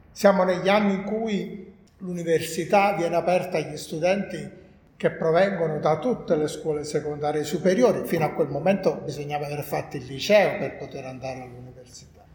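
Audible room echo surrounds a high-pitched man who talks fairly quickly with big swings in loudness. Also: ordinary pitch variation. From Naples, Italy. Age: old. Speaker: lecturer on reading promotion. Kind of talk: lecture. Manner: hesitant, with filler words.

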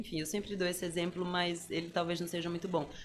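A woman speaks at a medium pitch in an animated tone. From Brazil, São Luís, Maranhão. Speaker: actress. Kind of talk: casual chat. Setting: studio.

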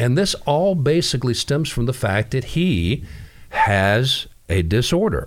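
A man speaks with vocal fry and very wide pitch swings. His loudness stays very even. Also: medium pitch for a man. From Tennessee, Chattanooga. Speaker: radio host. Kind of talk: casual chat.

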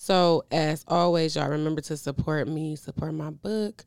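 The sound is dry and close with no echo, and the pace is moderate. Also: woman. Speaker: sports podcast host. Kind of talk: casual solo sports talk. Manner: loud; animated.

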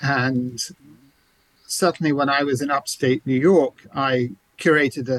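A man with an English accent at medium pitch and a fairly slow pace, fairly even intonation, long and frequent pauses, and a dry, close sound with no echo. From England, Canterbury. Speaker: museum curator. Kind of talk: interview conversation.

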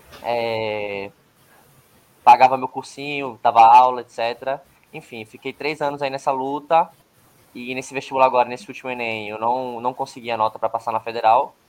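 A man at medium pitch and moderate pace, with fairly even intonation, big swings in loudness, and long, frequent pauses. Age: 20s. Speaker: medical student and physics tutor. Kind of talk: casual chat.

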